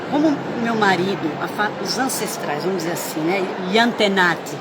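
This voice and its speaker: A woman's voice: medium pitch, lively intonation, brisk, very noisy. An older woman born in Italy and raised in Brazil, an author talking reflectively about her book in an interview at a book fair.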